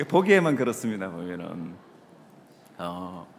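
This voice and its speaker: A middle-aged male pastor, preaching a sermon with lively rhetorical questions to the congregation and low trailing asides. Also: measured pace, vocal fry, a little hiss or hum. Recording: long reverb of a large hall.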